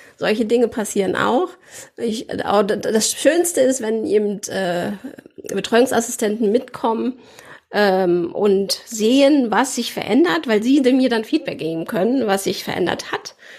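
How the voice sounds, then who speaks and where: A normal speaking voice from a woman, fairly high in pitch, with lively intonation at a fairly slow pace. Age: young. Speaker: clown and podcaster. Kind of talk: casual interview. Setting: video call.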